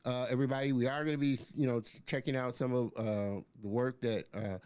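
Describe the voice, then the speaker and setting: A man's voice: mid-range voice, fairly even intonation, a little fast, darkish tone, clear, resonant tone, no room sound. A man hosting a live interview show, upbeat and chatty, with lots of filler words as he reads out viewer comments. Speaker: host.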